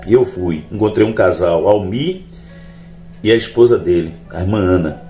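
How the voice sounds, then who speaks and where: A man telling his religious testimony to a congregation in an animated storytelling manner. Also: low-pitched, normal speed. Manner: animated storytelling, acts out dialogue in raised voices. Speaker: testimony speaker. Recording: roomy echo, faint music behind.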